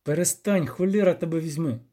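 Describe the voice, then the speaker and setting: A man's voice: on the high side, brisk, warm tone, lightly acted. A man doing a curt, stern monster hunter. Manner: curt, hissing. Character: stern grim male monster hunter, terse.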